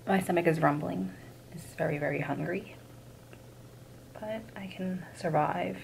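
A young woman with a raspy morning voice, chatting casually to her camera from a hotel room. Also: on the low side, a little slow, slight background noise, poor audio. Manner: chatty, filler-heavy, rambling. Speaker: vlogger. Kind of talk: casual vlog chat.

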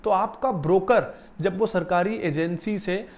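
A young man giving a lively explanatory video lesson about investing, seated in a small office and using a lapel mic. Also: high voice, measured pace, vocal fry. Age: young adult. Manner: animated, gestures while explaining. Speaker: finance educator.

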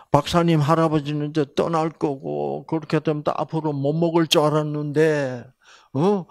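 A man's voice: fairly high pitch, dry recording, studio quality. An older man giving a Bible lecture in storytelling style, acting out voices and asking his audience questions.

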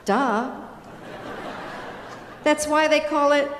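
A woman's voice: high-pitched, very slow, crowd noise, background noise. An older woman giving a motivational keynote on a conference stage with a handheld mic, with a punchy, emphatic delivery aimed at the audience. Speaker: keynote speaker. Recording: roomy hall with long reverb.

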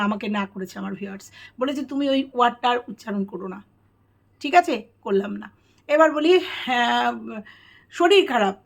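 Woman vlogger, high voice, chatty and halting. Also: a bit bright. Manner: chatty, hesitant with many fillers. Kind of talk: casual commentary to viewers.

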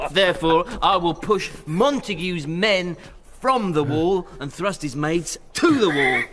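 A swaggering, bawdy young servant, swooping. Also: male voice, sits high, animated, slow, crowd noise. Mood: bawdy boasting. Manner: boastful, teasing delivery. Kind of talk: Shakespearean radio drama acting.

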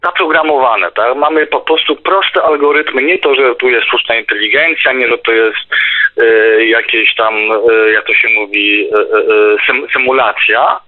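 A man's voice: mid-range voice, normal speed. A man in casual, opinionated discussion over a narrow phone line, insistently explaining with examples and stumbling over repeated words. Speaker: discussion participant on a radio show. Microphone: phone or internet call.

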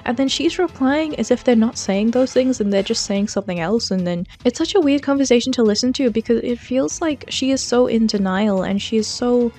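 A woman's voice: a little high, a little fast, hardly any pauses, a little mellow, faint music behind. A woman giving casual, chatty commentary on a case, with a close voice-over mic. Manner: chatty, frequent "like" fillers. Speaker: true-crime commentary YouTuber.

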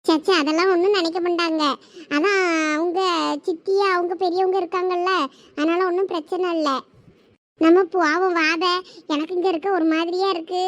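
A woman's voice: very high voice, steady tone, normal speed, dry recording, muffled recording. A young woman, acting a cheeky, chatty college girl who teases her friend in a village comedy skit. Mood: teasing. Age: young adult. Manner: teasing, chatty, giggly. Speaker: comic skit actor.

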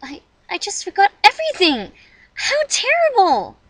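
A woman playing a highly emotional young anime-style girl in a theatrical, intense manner for an audition. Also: wildly swooping pitch, moderate pace, no echo, heavily acted. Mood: dismayed.

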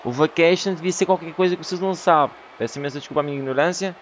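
A young man with a European Portuguese accent doing excitable let's play commentary, breaking into loud exclamations. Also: a little high, very fast, highs cut off, a little hiss or hum. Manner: excitable, bursts into exclamations and laughter. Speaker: gaming YouTuber.

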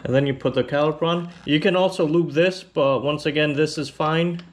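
A man hosting a casual how-to video, explaining a repair step by step in a relaxed, plainspoken way. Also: a little high, brisk. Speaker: motorcycle channel host.

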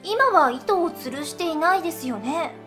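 A woman's voice: very high-pitched, lively intonation, moderate pace, a bit bright, faint music behind. A woman voicing a sweet, dutiful young princess in a scripted educational story, girlish, polite and inquisitive.

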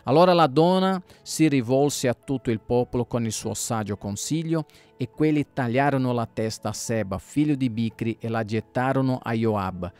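A male pastor reading the Bible aloud at a steady pace, sometimes stumbling over names and correcting himself. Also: medium pitch, moderate pace, smooth, faint music behind.

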